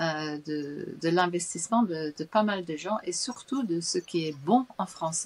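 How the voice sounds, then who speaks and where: Speaking very slowly, a woman with a British accent uses a fairly low pitch and lively intonation. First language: English (speaking French). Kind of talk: testimony interview. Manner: halting, many hesitations.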